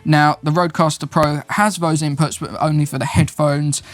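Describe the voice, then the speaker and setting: A man's voice: on the high side, steady tone, moderate pace. A young man hosting his own channel, chatting casually and upbeat as he explains recording gear step by step. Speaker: YouTube host, videographer and podcast producer. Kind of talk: casual gear tutorial to camera.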